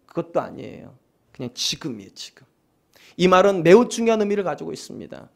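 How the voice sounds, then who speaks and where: A man's voice: high-pitched, brisk, vocal fry. A male senior pastor preaching a sermon in a church, acting out short exchanges of dialogue with a voice that rises and drops. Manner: animated preaching, acts out dialogue with rising and falling voice. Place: church sanctuary.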